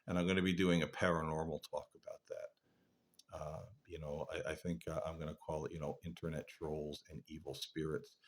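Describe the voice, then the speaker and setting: A man with a very low, somewhat raspy voice speaks to his viewers as host of a paranormal channel. His delivery is a casual, reflective monologue, earnest and halting, often circling back to restart a thought. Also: little pitch movement.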